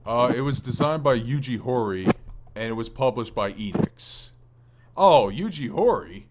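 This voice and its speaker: A man's voice: mid-range voice, normal speed, very noisy. A man hosting a gaming podcast, talking in an informal, rambling way with casual swearing. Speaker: podcast host.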